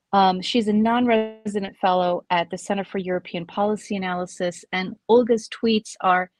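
A woman hosting an interview podcast over a video call, speaking in a measured way with frequent pauses and fillers. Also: on the low side, no room sound. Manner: measured, hesitant with many fillers. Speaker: podcast host.

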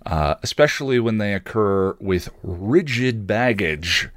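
A man telling a personal story as a podcast host, reflective and wry, halting now and then as he searches for words. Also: on the low side, lively intonation, fairly bright tone, no echo, clean studio sound.

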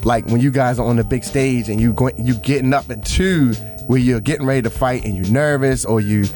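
A man in his late thirties co-hosting a radio show in a studio, easygoing and quick to laugh. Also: medium pitch, darkish tone, soft background music. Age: 30s. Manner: laughs often, teasing, loose and easygoing. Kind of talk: casual studio banter.

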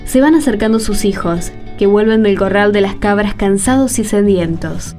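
A woman's voice: mid-range voice, normal speed. A woman with an Argentine accent delivering scripted narration as the narrator of a radio drama. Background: music.

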